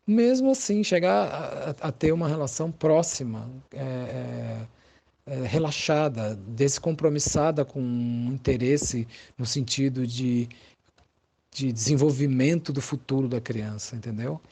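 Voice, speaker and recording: Being interviewed, a Brazilian psychologist explains things conversationally, thinking aloud and pausing as he looks for the right words. His mid-range voice is gravelly and warm, slightly rough.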